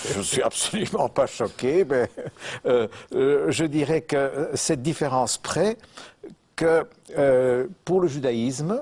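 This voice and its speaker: Speaking very slowly with long, frequent pauses, a man keeps his loudness very even while his fairly high voice carries lively intonation. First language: Dutch (speaking French). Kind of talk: interview. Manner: hesitant, many fillers.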